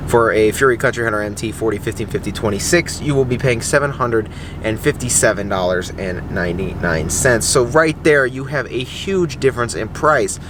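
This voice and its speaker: A man with a mid-pitched voice talks casually, like an off-the-cuff vlog. Clear vehicle and outdoor noise sits behind his voice. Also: moderate pace. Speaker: vlogger reviewing truck tires.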